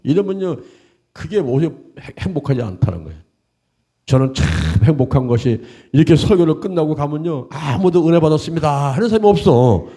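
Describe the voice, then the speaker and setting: Middle-aged male pastor, folksy animated preacher, slightly high, mellow tone. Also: a little fast, breathy edge. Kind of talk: sermon.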